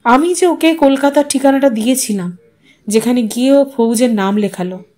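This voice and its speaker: A woman's voice: on the high side, moderate pace, dark tone, natural voice. A woman voicing a young village man in an audiostory, guilt-ridden, earnest and insistent. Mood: guilty.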